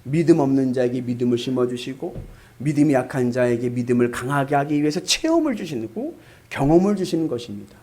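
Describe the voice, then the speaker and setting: A man's voice: medium pitch, very animated, fairly quick, warm tone. A man preaching a sermon as pastor, asking the congregation rhetorical questions.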